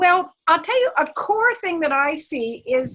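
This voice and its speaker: In an American accent, a woman speaks at a moderate pace with a bright, sharp tone. Her pitch swings very widely. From US South, Virginia. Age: 70s. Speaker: activist and systems thinker. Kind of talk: interview. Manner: halting, many restarts.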